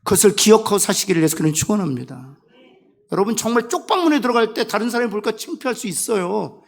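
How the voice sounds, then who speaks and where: Male pastor, middle-aged, emotional sermon storyteller; high, very animated delivery. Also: fast, creaky. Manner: emotional storytelling, swings from quiet to emphatic.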